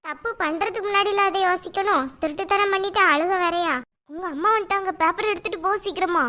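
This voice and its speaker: A woman voicing a stern, sarcastic schoolteacher in a cartoon, with a bright, high voice pitched lower than her usual. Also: fast talker. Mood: scolding. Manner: sharp, scolding, sarcastic. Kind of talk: cartoon voice acting.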